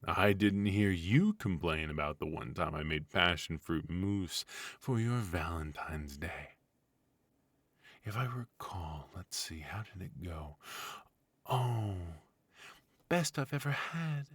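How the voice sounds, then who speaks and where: Man playing a deep-voiced theatrical retired supervillain husband. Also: expressive, takes it slowly, slightly rough, no room sound, exaggerated voice. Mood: smug, doting. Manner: theatrical, drawling, mock-sinister. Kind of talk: comedic ASMR roleplay.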